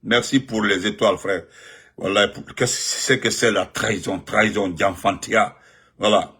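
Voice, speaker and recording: A man, giving animated live-stream political commentary and greeting viewers, repeating himself and jumping up in pitch when he stresses a point. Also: moderate pace, breathy edge. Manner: excited, repetitive, pitch jumps up sharply when emphatic.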